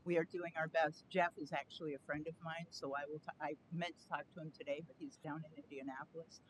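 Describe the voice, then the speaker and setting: Brief: woman activist at council podium, eager and talkative, rumbly room noise. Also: fairly even intonation, quick pace. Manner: earnest, chatty, self-aware of loud voice. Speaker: activist presenting a request. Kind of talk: public comment at a county meeting. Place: county board meeting chamber.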